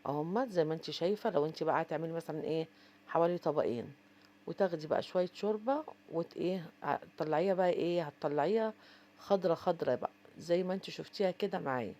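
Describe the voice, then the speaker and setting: A woman's voice: fairly low pitch, quick pace, pauses often, warm tone. A woman with an Egyptian Arabic accent hosting a casual cooking tutorial, chatty and talking straight to her viewers with lots of fillers. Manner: chatty, addresses viewers directly, frequent fillers. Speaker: cooking channel host.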